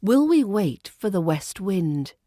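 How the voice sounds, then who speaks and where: Measured British RP woman teaching pronunciation. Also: medium pitch, sing-song, warm tone, no room sound, studio quality. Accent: British, Received Pronunciation. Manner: measured, precise enunciation with deliberate repetition. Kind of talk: scripted pronunciation lesson.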